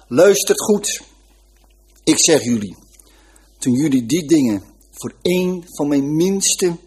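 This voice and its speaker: A man gently and earnestly narrating a Christian Christmas story, voicing the people in it as he reads. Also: medium pitch, a little hiss or hum.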